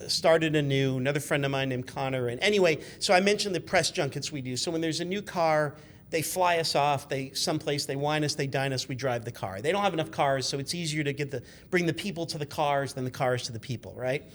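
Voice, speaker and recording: A man in his fifties chatting casually as a guest, telling animated, rambling, sweary anecdotes as a car journalist. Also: a little high, brisk, slight background noise. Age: 50s.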